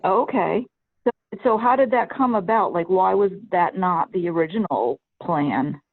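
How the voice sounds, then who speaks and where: A committee chair leads the discussion with a gravelly, creaky voice. The delivery is hesitant, full of "okay" and "all right" between questions. The audio is tinny and thin, like a phone line. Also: mid-range voice, measured pace. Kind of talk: meeting discussion.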